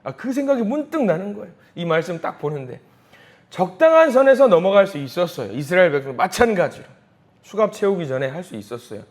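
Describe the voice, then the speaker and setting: A man's voice: high voice, very animated, fast talker. A man preaching a dawn sermon as pastor, telling a story animatedly and acting out its voices. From South Korea.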